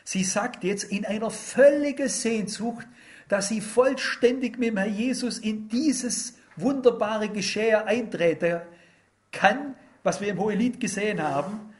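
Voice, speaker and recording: High-voiced older German preacher. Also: male voice, unhurried. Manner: animated storytelling, quotes scripture and stories dramatically. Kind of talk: sermon.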